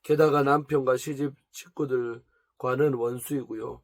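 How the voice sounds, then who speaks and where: A man's voice: medium pitch, fairly even intonation, a little slow, no room sound, lightly acted. A man reading aloud the lines of a proud, complaining woman of 45 from a noble family. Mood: pleading. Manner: complaining, defensive, pleading.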